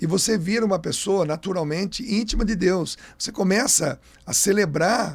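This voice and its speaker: Over a silent background in a very clean recording, a man speaks at a moderate pace with lively intonation. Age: 60s. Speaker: preacher and missionary singer. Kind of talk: podcast interview on faith.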